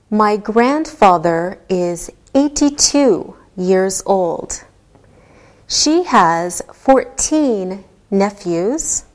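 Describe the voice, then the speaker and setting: Very slow, deliberate woman teacher. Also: medium pitch. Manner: patient, deliberate, spells things out step by step. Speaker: English teacher. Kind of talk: slow, clearly enunciated classroom teaching.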